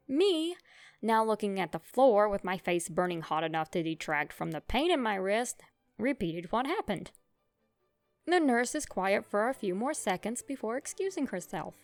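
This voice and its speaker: A young woman narrating a comic childhood story in a wry, self-mocking, expressive way. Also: mid-range voice, no echo.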